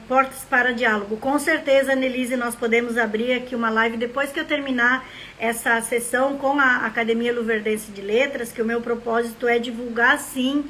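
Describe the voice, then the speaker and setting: Hosting a live stream, a woman from Rio Grande do Sul in southern Brazil, a member of a literary academy, greets viewers by name before drifting into reflective, rambling talk. Her voice is a little high with a fairly bright tone, and a slight hiss or hum sits in the audio.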